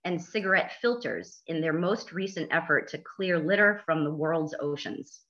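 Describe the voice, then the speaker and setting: A woman hosting a casual chat podcast, with a forceful, bright tone and a somewhat low pitch. She teases in a dry, blunt way and quizzes her co-host. The recording sounds dull and lo-fi. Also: lively intonation, moderate pace. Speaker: host, environmental attorney.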